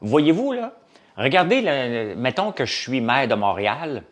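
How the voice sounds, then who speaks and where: A man's voice: mid-range voice, sing-song, moderate pace. A man with a Québécois French accent, a farmer and business owner, chatting casually to a live audience and rambling from topic to topic with many fillers.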